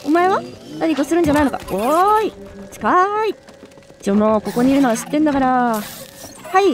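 An excitable woman chatting through a video game with a very high, bouncy voice that jumps all over. She talks in quick bursts and exclamations. Soft game music plays under her. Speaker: let's play streamer. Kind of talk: live gameplay commentary.

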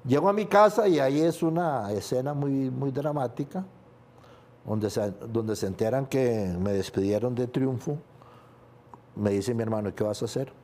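Older Costa Rican male interviewee, mellow low timbre, candid confessional storytelling with rueful laughs. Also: moderate pace. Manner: confessional, laughs through painful memories. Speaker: guest, sports journalist.

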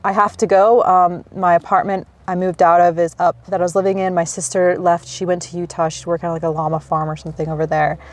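A woman's voice: lowish voice, level tone, fast, few pauses. A young woman in her twenties vlogging in a car, talking to the camera in an anxious, rambling way with restarts and fillers. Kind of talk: casual vlog talk to camera. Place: inside a car, then a small cabin and outdoors. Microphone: handheld camera at arm's length.

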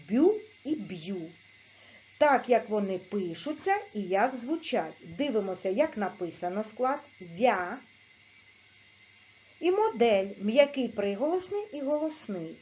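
Woman teacher, slow clear instruction, lively melody, slightly dull lo-fi sound. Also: fairly high pitch. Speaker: primary school teacher. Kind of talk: video lesson for young pupils.

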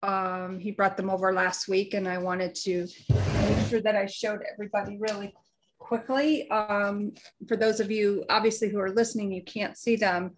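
A woman's voice: mid-range voice, little pitch movement, normal speed, slight background noise, poor audio. A middle-aged woman co-hosting a live podcast from her home office, chatting unhurriedly with fillers and small coughs. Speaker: podcast co-host. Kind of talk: casual live podcast chat. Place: home office, video call.

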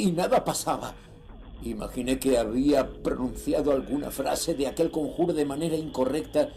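An actor from playing a ruthless sea trader, narrating his grim confession slowly and gravely in a horror audio drama. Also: medium pitch, warm tone. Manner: slow, grave, dramatic delivery.

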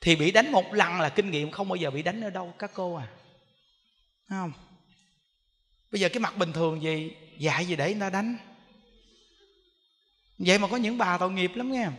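A Buddhist monk with a Southern Vietnamese accent giving a sermon, telling stories animatedly and laughing with the audience in a temple hall. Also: male voice, high voice, moderate pace, long pauses, fairly bright tone. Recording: long reverb in a large hall.

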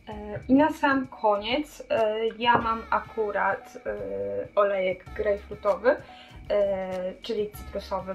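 A young woman talks to the camera about cleaning in a small apartment hallway, her tone casual and chatty. She pauses often and restarts words, keeping a mid-pitched, easygoing delivery, with faint music playing underneath. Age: young adult. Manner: chatty, frequent hesitations and restarts. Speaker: cleaning vlogger.

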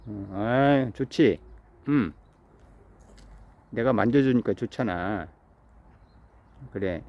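A man's voice: fairly low pitch, takes it slowly, dull audio. A man on a rooftop in the early morning, chatting to his pet chicken in a coaxing, teasing way, like he would talk to a child. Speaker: pension owner talking to his pet chicken.

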